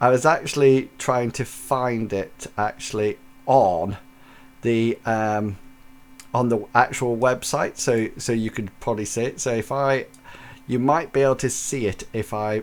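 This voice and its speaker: Speaking with an English accent, a man uses a medium pitch and ordinary pitch variation. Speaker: web show host. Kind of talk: live stream monologue. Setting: live video stream. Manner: halting.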